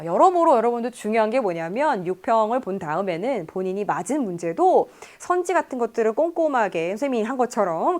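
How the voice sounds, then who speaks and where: A Korean woman teacher in her thirties gives an animated exam-explanation lecture. Her voice sits a little high and swoops up and down. She switches between English reading and quick explanation, acting out the characters' lines. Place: lecture studio.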